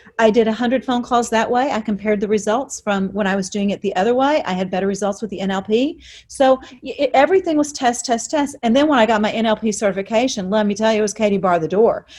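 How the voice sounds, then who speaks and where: Talking at a very fast pace with a Southern US accent, a woman has a somewhat breathy, fairly high voice with ordinary pitch variation. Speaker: real estate coach. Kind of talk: Q&A answer.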